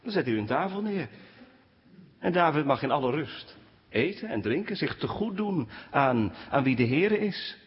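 A man preaching a sermon to his congregation, speaking with animated swings in pitch. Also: normal speed. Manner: animated preaching, rising pitch when quoting complaints. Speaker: pastor. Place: church. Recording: dull sound with long church reverb.

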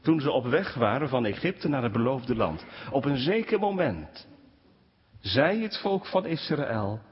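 A man preaching a sermon to his congregation, speaking with animated swings in pitch. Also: measured pace. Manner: animated preaching, rising pitch when quoting complaints. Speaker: pastor. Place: church. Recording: dull sound with long church reverb.

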